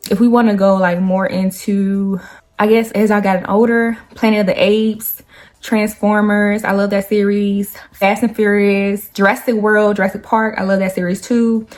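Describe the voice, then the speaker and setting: A young woman chats through a get-to-know-me video. She talks loosely, full of slang and asides to her viewers, and laughs easily. Her voice sits at an ordinary middle pitch. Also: a little mellow. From Nashville, Tennessee. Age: 20s. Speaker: YouTuber. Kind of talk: casual get-to-know-me chat.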